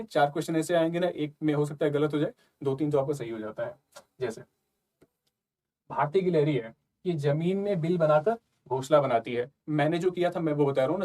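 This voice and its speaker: A man's voice: on the high side, dark tone. A man explaining exam questions in a casual, conversational lesson, often checking in with his listeners. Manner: conversational, repeats "ठीक है" and "ना" often. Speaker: exam prep tutor.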